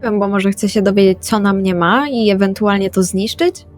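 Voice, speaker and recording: A woman's voice: mid-range voice, moderate pace. A woman playing in a tabletop role-playing session, speaking casually and partly in character. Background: background music.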